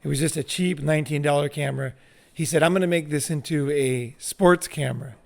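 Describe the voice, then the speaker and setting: A man telling lively anecdotes in casual talk, peppered with "like" and "you know" and some swearing. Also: on the high side, fairly quick, creaky. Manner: animated anecdotes, profane, lots of 'like' and 'you know'. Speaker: group member telling stories. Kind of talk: casual storytelling.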